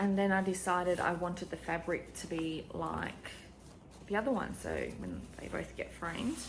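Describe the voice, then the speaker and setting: A woman with an Australian accent talks at a fairly slow pace, her pitch fairly low. There is audible room echo and noticeable background noise. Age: 40s. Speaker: craft video creator. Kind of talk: casual video monologue. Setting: home, quiet.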